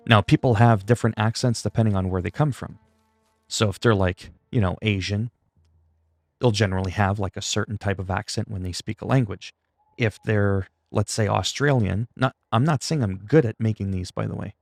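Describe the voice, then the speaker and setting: A man from Canada, a native French speaker, rambles through a casual livestream. His voice sits low with a gravelly creak. He is self-deprecating and salty, and swears freely. The sound is close and dry. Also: moderate pace, darkish tone, dry recording.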